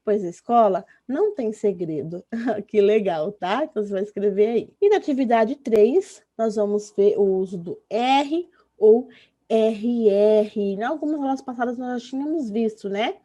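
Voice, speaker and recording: A woman with a Brazilian Portuguese accent, a primary school teacher giving an online lesson to young children. She stretches out words slowly when spelling and keeps checking in with "tá?" and "né?" in an affectionate way. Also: on the high side, dark tone, dull audio.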